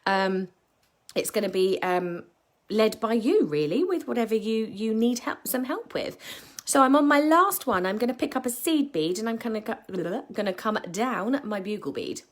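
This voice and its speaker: A woman with a croaky voice teaching a live beading tutorial, chatty and full of ums and self-corrections, with a British English accent. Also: a little high, big pitch swings, normal speed.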